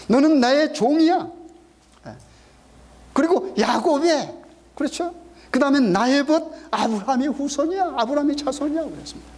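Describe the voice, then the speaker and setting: Speaking in a very high and somewhat mellow voice, this middle-aged man is a pastor preaching in a church sanctuary. He questions his congregation often, repeating points emphatically in a call-and-response manner.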